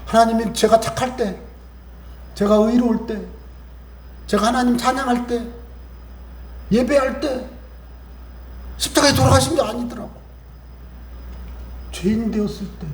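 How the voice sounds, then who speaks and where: A man's voice: extremely high pitch, fairly even intonation, unhurried, pauses often. A man preaching a Sunday sermon in a chatty way, quoting scripture and acting out small exchanges. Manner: conversational preaching, acts out little exchanges and quotes scripture. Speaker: pastor. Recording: echoey church room, faint hiss.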